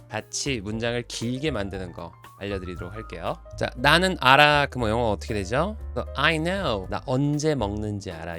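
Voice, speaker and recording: A man giving an online English lesson. He keeps quizzing the viewer and slows down to spell out each example sentence. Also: medium pitch, a bit bright. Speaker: English teacher.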